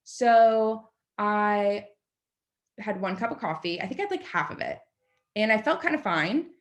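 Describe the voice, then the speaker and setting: A woman in her late twenties, a podcast guest, telling a story in a chatty, animated way and filling her speech with "like.". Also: medium pitch, a little slow. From United States. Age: 20s. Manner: chatty, animated, lots of "like" fillers. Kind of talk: casual storytelling.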